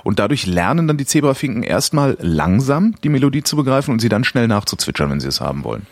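A man in casual chat, telling a story with lively energy and often searching for words. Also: mid-range voice, fast, no echo.

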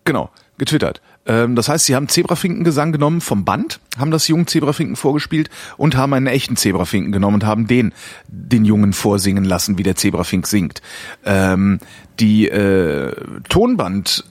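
A man in casual chat, telling a story with lively energy and often searching for words. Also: fairly low pitch, a little fast, no room sound.

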